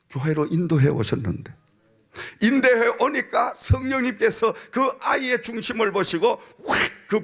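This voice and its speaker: In a church sanctuary, a senior pastor with a high-pitched, slightly bright voice tells a story during his sermon, acting out the voices of a child and a minister. He often asks the congregation "eh?" and uses "응?" and "아멘" frequently.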